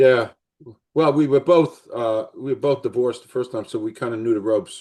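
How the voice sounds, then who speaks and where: A man with a New Jersey accent, dark, mellow tone, ordinary pitch variation, and fairly quick pace. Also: medium pitch for a man. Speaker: interview show host. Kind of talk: casual interview chat. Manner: halting, many repetitions.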